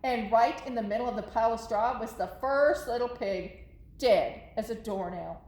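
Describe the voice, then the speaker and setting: Lady playing a storybook wolf pleading innocent, real chatty, high voice, bit echoey room. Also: moderate pace, darkish tone, natural voice. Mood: dramatic, innocent. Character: self-justifying folksy wolf telling his side.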